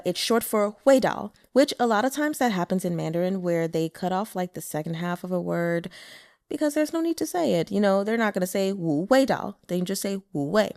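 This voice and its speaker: Woman narrator, casual and chatty, explaining words between chapters; dry, mid-pitched read. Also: animated, moderate pace, darkish tone, no room sound. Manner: chatty, explains Mandarin terms, laughs often. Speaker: audiobook narrator.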